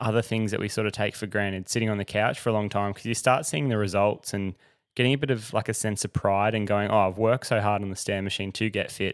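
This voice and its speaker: Speaking with an Australian accent, a man with a fairly low pitch comes through on a very clean recording with a silent background. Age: 30s. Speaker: podcast host. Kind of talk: casual chat.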